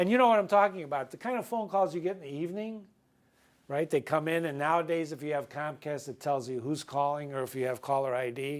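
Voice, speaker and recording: In a very clean recording with a silent background, a man talks at a fairly quick pace and a fairly high pitch, with lively intonation and an animated tone. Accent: Chicago. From Chicago, US Midwest. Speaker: business communications presenter. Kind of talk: lecture.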